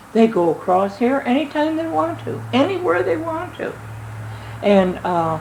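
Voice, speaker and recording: A woman with an American accent speaks at a medium pitch and a fairly slow pace, her voice making very wide pitch swings. Audible room echo and noticeable background noise fill the recording. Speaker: oral history interviewee. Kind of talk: oral history interview. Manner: halting.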